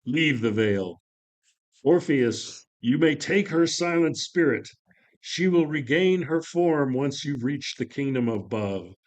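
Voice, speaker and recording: A stern lord of the dead , acted by a man in a stage play. He is imperious and curt, giving orders in a mid-pitched male voice. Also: expressive, slow. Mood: grave, commanding. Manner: commanding, curt. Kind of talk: dramatic play reading.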